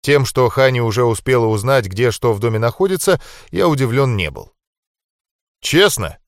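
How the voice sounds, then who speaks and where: Calm male audiobook narrator, dry sound. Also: medium pitch, fairly quick, no room sound. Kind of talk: first-person audiobook narration.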